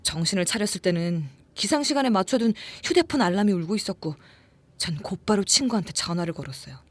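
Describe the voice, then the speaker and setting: Hushed, frightened young woman storyteller. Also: lowish voice. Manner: hushed, suspenseful, confiding, dropping to whispers. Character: frightened young woman recounting her haunted rented room. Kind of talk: dramatic first-person horror audiobook narration.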